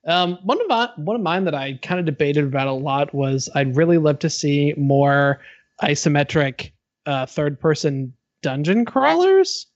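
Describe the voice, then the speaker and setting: A man co-hosting a games podcast, easygoing and quick to laugh. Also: a little high, expressive, no room sound, dull audio. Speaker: podcast co-host. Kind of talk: casual chat.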